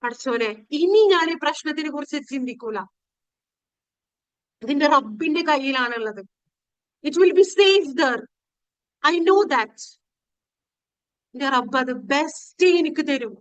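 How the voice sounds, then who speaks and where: A woman leading a guided spiritual meditation and prayer in a pleading, devotional way with drawn-out phrases. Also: high-pitched, animated, no echo, muffled recording.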